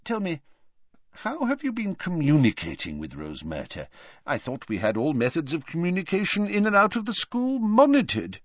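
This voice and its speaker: A man voicing a frail, gentle old wizard. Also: a little high, wildly swooping pitch, moderate pace, dry recording, lo-fi sound, pitched above the performer's own voice. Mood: probing. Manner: light, conversational, courteous.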